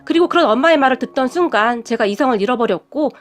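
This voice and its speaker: Female narrator, high voice, earnest dramatic read, soft music bed. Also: animated, fast. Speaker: story narrator. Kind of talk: scripted first-person story narration. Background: faint music.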